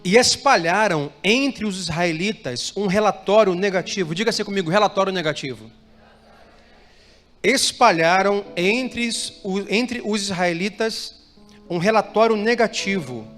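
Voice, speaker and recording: A man's voice: high-pitched, expressive, a little slow. A Brazilian Portuguese-speaking male pastor preaching a sermon to a live congregation, asking them to repeat phrases and answer him. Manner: preaching with call-and-response prompts to the congregation. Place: church hall with live congregation. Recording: reverberant church hall, soft music.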